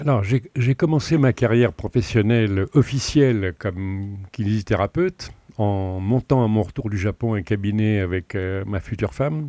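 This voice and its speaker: A man with a plain, everyday voice speaks at a fairly low pitch and moderate pace, with ordinary pitch variation and hardly any pauses. The recording is very clean with a silent background, dry and close with no echo. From France. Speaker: breathing expert and author. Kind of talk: interview.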